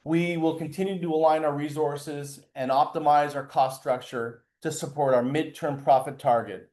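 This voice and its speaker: A man speaking as a chief executive, giving a formal, scripted financial results presentation in a measured way, occasionally stumbling over words. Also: on the high side, steady tone, darkish tone. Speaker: company chair and CEO presenting.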